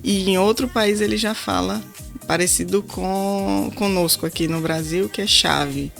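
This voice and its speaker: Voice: medium pitch, steady tone, unhurried, gravelly, fairly bright tone, soft background music. Brazilian guest explaining languages patiently. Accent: Brazilian Portuguese. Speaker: podcast guest, language teacher. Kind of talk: casual chat.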